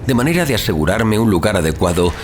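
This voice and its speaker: Deep-voiced man narrating gothic horror, dramatically. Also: big pitch swings, quick pace, background noise. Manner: solemn, literary, theatrical delivery. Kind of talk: dramatic scripted audiobook narration of a horror tale. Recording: music under the voice. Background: music.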